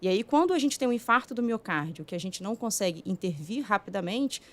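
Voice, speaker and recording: A woman cardiologist with a Brazilian Portuguese accent, calmly and methodically explaining heart disease in a podcast studio. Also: medium pitch, fairly quick. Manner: calm, methodical explaining with frequent "né". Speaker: cardiologist guest. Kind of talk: explanatory medical talk.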